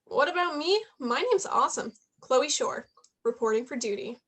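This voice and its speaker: High-voiced, ambitious young journalist played by a woman. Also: animated, normal speed, a bit bright. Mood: playful, confident. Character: Chloe, ambitious, frustrated young female journalist and loyal friend. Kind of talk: staged reading of a contemporary play.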